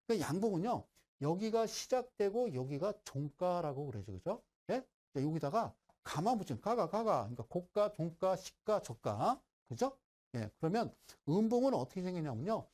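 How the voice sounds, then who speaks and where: A man's voice: high-pitched, very animated, normal speed, darkish tone. A middle-aged man giving a broadcast stock-investing lecture, who keeps asking listeners "right?" and teases them.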